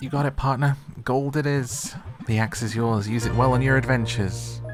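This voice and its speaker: Music plays in the background as a man speaks at medium pitch with fairly even intonation. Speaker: game character, prospector. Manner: folksy, friendly.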